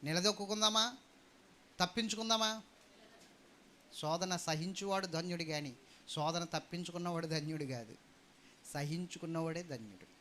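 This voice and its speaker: High, bright-voiced preaching man. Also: moderate pace, pauses often, a little hiss or hum. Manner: preaching with call-and-response to the congregation; rising and falling emphatic delivery. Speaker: pastor. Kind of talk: sermon. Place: church hall.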